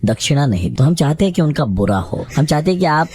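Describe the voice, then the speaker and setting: A man's voice: a little high, sing-song, fast, darkish tone. A man voicing a pompous Hindu priest on a prank call, in ornate, formal and unflappably polite speech. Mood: lofty, polite.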